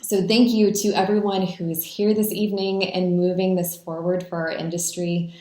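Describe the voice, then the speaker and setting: A sincere woman with a slightly low voice gives a recorded congratulatory message. Her voice rings in a roomy, echoey space. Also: little pitch movement, moderate pace, a little mellow. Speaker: past association president. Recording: echoey room.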